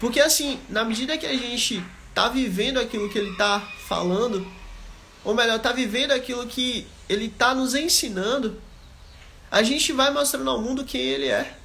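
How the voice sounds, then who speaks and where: A man with a very high, sharp voice preaches a live Bible study, speaking conversationally and directly to his listeners while repeating his points in emphatic exhortation. His intonation is lively, his pace moderate, and there's slight background noise.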